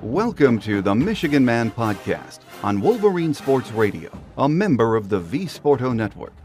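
A man hosting a sports podcast, reading a measured, earnest intro and opinion piece. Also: medium pitch, a little mellow. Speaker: podcast host. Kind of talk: scripted podcast intro and commentary.

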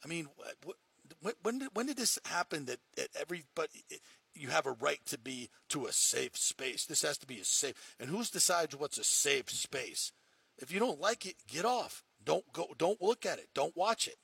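A sports talk host with a gravelly, husky voice rants with heat and emphasis. He talks casually and mocks the people he quotes. The sound is dry and close on the mic. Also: on the high side, lively intonation, normal speed, a bit bright, no echo. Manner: heated, emphatic ranting with mocking quoted voices.

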